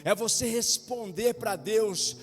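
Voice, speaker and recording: A male pastor with a high-pitched voice preaches a slow, impassioned Pentecostal sermon in a church sanctuary, firing rhetorical questions at the congregation. The sound carries long church reverb with faint music.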